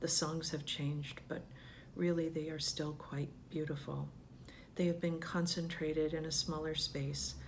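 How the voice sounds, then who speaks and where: Somewhat breathy, a woman speaks with very deep, low pitch and monotone, flat intonation. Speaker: real estate agent and poetry reader. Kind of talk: poetry reading.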